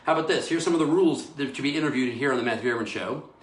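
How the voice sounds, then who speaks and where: A man's voice: medium pitch, very fast. A man hosting his own live video show, talking in an enthusiastic, preachy, rambling way with repeated declarations. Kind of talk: live casual monologue. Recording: echoey room.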